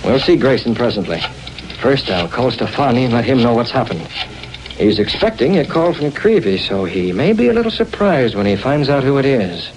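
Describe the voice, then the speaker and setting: An actor playing a masked crime-fighter in a 1930s radio drama, speaking in a calm, clipped, menacing way. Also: male voice, mid-range voice, normal speed, natural voice. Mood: commanding. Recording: old radio transcription with faint hiss.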